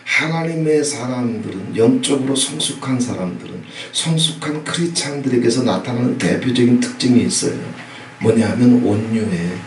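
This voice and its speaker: Korean pastor preaching in an echoey church. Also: male voice, mid-range voice, normal speed. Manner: emphatic preaching with repeated "예?" prompts and sudden loud bursts. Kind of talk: sermon. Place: church sanctuary. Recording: echoey hall, from a distance, faint noise.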